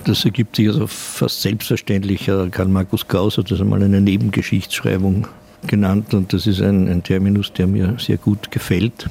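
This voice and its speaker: A man speaks at a moderate pace in a fairly low pitch, his intonation fairly even and his loudness very even, with noticeable background noise behind him. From Austria, western Carinthia. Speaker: author. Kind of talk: interview. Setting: coffee house.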